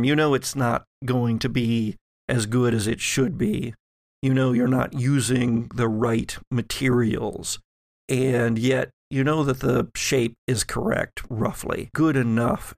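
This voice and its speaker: A man runs a tabletop game as its game master, with plenty of fry in his voice. He narrates slowly and deliberately, leaving dramatic pauses. The sound is dry and close. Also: mid-range voice, dry recording. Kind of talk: tabletop role-play narration.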